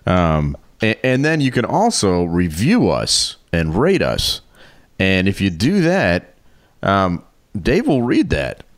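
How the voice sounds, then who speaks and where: A man's voice: low voice, huge pitch swings, takes it slowly, no echo, studio quality. A man co-hosting a podcast in casual chat, teasing and self-deprecating. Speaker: podcast co-host.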